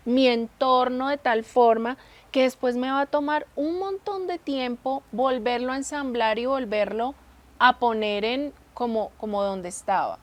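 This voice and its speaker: A woman's voice: on the high side, no room sound. A woman co-hosting a Christian talk show, explaining ideas through everyday examples and rhetorical questions. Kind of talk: faith-based casual conversation.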